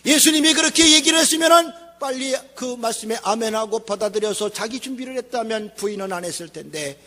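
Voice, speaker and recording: A man's voice: extremely high pitch, brisk, pushed and bright. A male pastor preaching a sermon, with a dramatic, rising and falling delivery and rhetorical questions. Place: church sanctuary. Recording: echoey church hall.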